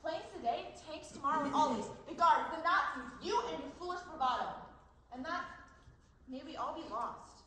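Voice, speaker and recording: A woman's voice: high voice, lively intonation, moderate pace, sharp tone. A woman acting an anxious, embittered Jewish mother in a stage play, declaiming her grievances in an echoey hall. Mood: bitter, despairing. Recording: echoey hall from far off, noisy.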